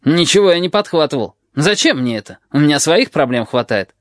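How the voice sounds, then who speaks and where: A man's voice: on the high side, very animated, brisk, no echo. A defensive, grumbling voice of a nervous teenage boy, as a man reading puts him on. He sounds gloomy and suspicious. The voice is slightly raised in a close, dry recording.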